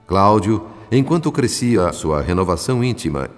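A solemn spirit narrator in a radio drama. His low voice recounts events in measured, literary phrases, in long reverb with faint music behind. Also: big pitch swings. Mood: grave, compassionate.

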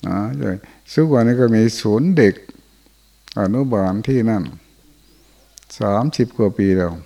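A man's voice: on the low side, lively intonation, unhurried, creaky, dark tone, breathy edge. An older man, a Buddhist monk, giving an informal dharma talk in a monastery hall, telling folksy stories and often chuckling.

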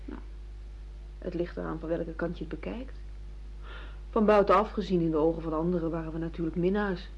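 A woman's voice: fairly low pitch, fairly even intonation, a little fast, pauses often, husky. An actress playing a cool, pragmatic woman, matter-of-fact and self-justifying, in a Dutch radio play. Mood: evasive, cool. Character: cool, calculating woman, pragmatic sham lover. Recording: dull lo-fi radio play recording.

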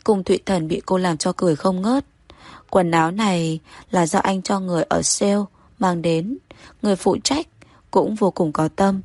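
A woman narrating a romance novel as host of a story channel, in an even, steady reading manner. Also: fairly low pitch, normal speed, no room sound.

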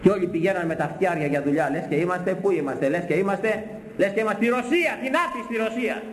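Emphatic older Greek priest preaching. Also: male voice, sits high, roomy sound, rough recording. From Greece. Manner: repetitive, emphatic preaching with rhetorical questions. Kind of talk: sermon.

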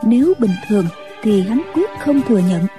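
A woman reading a martial-arts storybook aloud in a steady, even-paced narration. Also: fairly high pitch, moderate pace, faint music behind, rough recording. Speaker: audiobook narrator.

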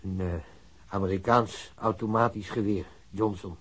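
Husky, low-voiced old working man. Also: steady tone, moderate pace. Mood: cooperative, slightly proud. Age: older. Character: old working-class father, loyal to his son, embittered and disillusioned. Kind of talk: naturalistic radio drama acting.

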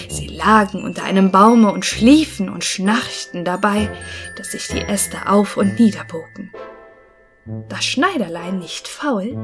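A woman reads a classic fairy tale aloud in a calm, deliberate way. She takes her time over each sentence, and faint music plays quietly underneath. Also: medium pitch. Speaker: audiobook narrator. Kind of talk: fairy-tale audiobook reading.

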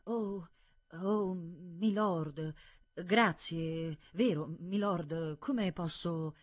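A woman's voice: sits low, sing-song, a little fast, husky, no echo, clean studio sound, heavily acted. A woman reader voicing a timid English doctor who stammers and hesitates. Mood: stammering.

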